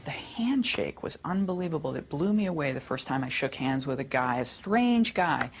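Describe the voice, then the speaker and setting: A woman's voice: sits low, expressive, moderate pace, a little hiss or hum. A woman answering interview questions candidly and reflectively, with frequent fillers. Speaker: author interviewed.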